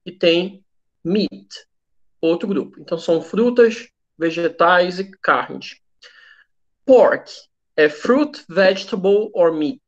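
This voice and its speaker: A man's voice: sits high, slow pace, muffled recording. Brazilian man teaching an online class. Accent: Brazilian Portuguese. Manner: joking, relaxed classroom banter. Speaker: English teacher. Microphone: computer mic on a video call.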